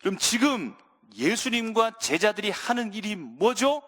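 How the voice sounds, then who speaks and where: A male pastor preaching a sermon in a church, animated, questioning his congregation and acting out scenes. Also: high voice, unhurried. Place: church sanctuary. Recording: reverberant church sanctuary.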